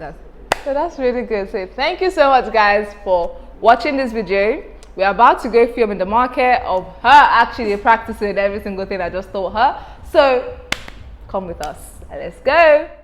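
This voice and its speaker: A woman speaks at a moderate pace and a fairly high pitch with very wide pitch swings. Her loudness swings widely over noticeable background noise. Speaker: language teacher YouTuber. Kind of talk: language tutorial.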